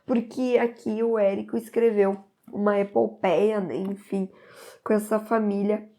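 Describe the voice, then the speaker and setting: Speaking to camera, a woman from southern Brazil who reviews books recommends one casually, her nose slightly stuffed up by a cold. She rambles with enthusiasm, though her mid-range voice stays steady, warm, and measured in pace.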